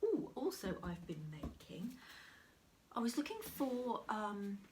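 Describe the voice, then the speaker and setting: A woman who vlogs about crafting talks informally to camera from a home room by a window, heavy rain audible faintly outside. She has a cold that makes her slightly nasal and often drops to a half-whisper, and her medium-pitched, darkish voice is sing-song and unhurried.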